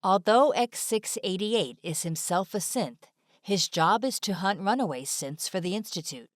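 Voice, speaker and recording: A woman's voice: medium pitch, expressive, normal speed, no echo. A woman reading scripted informational narration as a studio-style voice-over. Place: dry studio-like voice-over recording.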